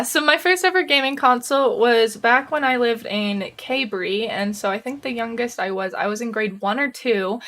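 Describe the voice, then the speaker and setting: Young woman, twenties, higher voice, giggly, rambling, podcast guest. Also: sharp tone. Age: 20s. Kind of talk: casual chat.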